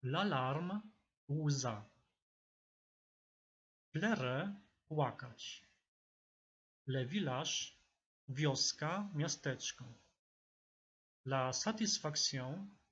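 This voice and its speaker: Slow, husky male language teacher. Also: mid-range voice, a bit bright. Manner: slow and deliberate, pausing between words. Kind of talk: vocabulary lesson. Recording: dull lo-fi recording.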